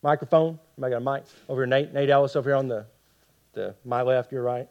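A man teaching a Bible study to a group, talking fast and often checking in with his listeners. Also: medium pitch, fairly even intonation, dull audio.

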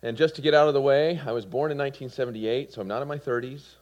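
A man in his forties from Georgia with a Southern American accent, giving his personal testimony in a sermon with earnest, halting delivery. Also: mid-range voice, steady tone, highs cut off. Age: 40s. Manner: earnest, with fillers and soft laughs. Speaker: preacher.

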